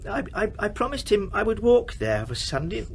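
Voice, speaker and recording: A gentle, grieving father of a poor family in a radio drama. His voice is husky and swings widely in pitch, tender and halting as he talks to his loved ones. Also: sing-song, exaggerated voice. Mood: strained cheer.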